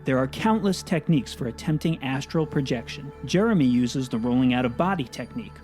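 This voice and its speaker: Male podcast host, mid pitch, easygoing, faint music bed. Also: brisk. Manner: relaxed, conversational, uses filler words. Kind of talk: casual chat and narration.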